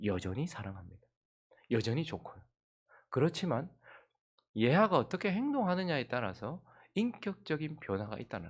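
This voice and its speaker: A middle-aged man, a pastor, preaching an early-morning sermon and telling animated family stories. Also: fairly high pitch. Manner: animated storytelling with family anecdotes. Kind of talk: dawn service sermon.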